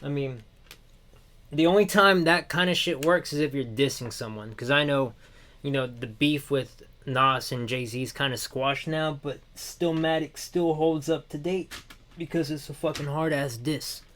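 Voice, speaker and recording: A man's voice: a little high, unhurried, a bit bright. Young man, worn-out voice, blunt casual podcast chat, swears freely. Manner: profane, blunt opinions. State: voice worn out, tired late at night. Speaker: podcast co-host.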